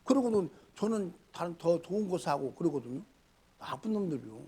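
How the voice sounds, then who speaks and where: In a very animated, slightly fast, husky delivery, a middle-aged male pastor preaches a colloquial sermon. He erupts loudly, mutters low, and puts rhetorical questions to the congregation.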